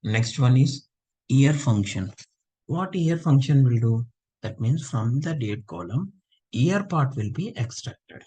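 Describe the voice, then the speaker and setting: A man teaching a live online software class over a video call, unwell and talking low, often checking that students understand. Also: lively intonation, slow, husky, low-quality recording. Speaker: software trainer.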